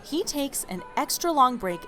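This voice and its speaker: Animated, fed-up young waitress. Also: female voice, sits high, measured pace, soft background music, full character voice. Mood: indignant. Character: fed-up, defiant young woman working as diner waitress. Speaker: podcast drama actress. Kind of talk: naturalistic audio drama acting.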